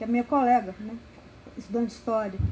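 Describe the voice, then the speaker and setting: Her intonation remains fairly even. This woman talks at a very fast pace. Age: 70s. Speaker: human rights activist, panel speaker. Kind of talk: speech at a public debate. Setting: university event with audience. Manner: halting, many repetitions.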